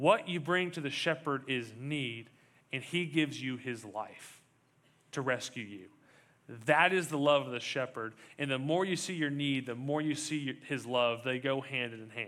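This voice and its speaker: A man speaks at a moderate pace in a fairly high pitch, his tone animated, bright and sharp. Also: ordinary pitch variation. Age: 20s. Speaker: college pastor. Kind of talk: sermon. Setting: church with congregation.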